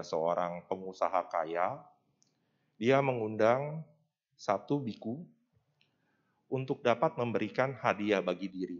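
A man talks at a fairly slow pace. His pitch is fairly low and his intonation lively. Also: quiet background. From Indonesia. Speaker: Buddhist teacher giving a dharma talk. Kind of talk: sermon. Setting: temple with live audience. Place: hall. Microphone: handheld.

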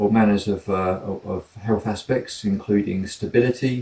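His voice is somewhat breathy, with a fairly low pitch. The man keeps his intonation fairly even. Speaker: tai chi instructor. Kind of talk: live-stream class intro. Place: home room. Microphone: camera far.

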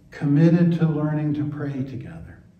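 A man speaks with a fairly high pitch for a male voice. The room echo is clearly audible. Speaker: priest. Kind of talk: sermon. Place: church. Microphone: camera far.

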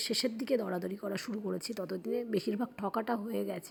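A woman talks at a medium pitch. Noticeable background noise runs underneath. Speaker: travel vlogger. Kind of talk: travel vlog narration. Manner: casual, chatty.

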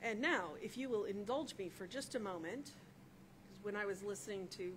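A woman speaks with ordinary pitch variation. Light background noise can be heard. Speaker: minister leading a meditation. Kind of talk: guided meditation. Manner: slow, soothing, calm; gentle, inviting. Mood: calm, soothing. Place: church. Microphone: podium.

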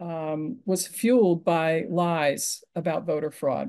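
A woman with a dark, mellow tone and ordinary pitch variation speaks against a quiet background. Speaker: panelist. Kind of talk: conference presentation. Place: home room. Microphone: earbuds.

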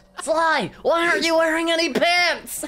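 This is a put-on character voice pitched extremely high. It moves along at a moderate pace.

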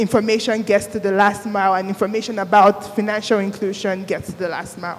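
Speaking in a Nigerian accent, a woman uses a medium pitch. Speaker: panel moderator. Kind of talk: panel moderation. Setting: stage with audience. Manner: casual, filler-heavy. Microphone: handheld.

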